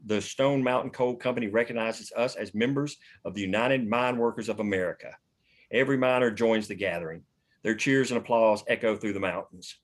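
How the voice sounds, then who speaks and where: A man serves as narrator at a table read. He reads scene headings and action lines as scripted narration, in a lowish voice. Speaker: narrator reading stage directions.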